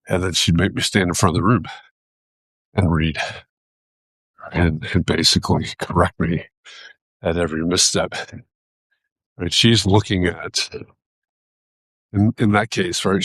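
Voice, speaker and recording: A man with a very low voice talks thoughtfully, pausing and restarting as he searches for the right words. He sounds like a host sharing his thoughts on a live video. The sound is close and dry, with no room echo. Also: fairly bright tone, breathy edge. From United States. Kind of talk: reflective casual talk.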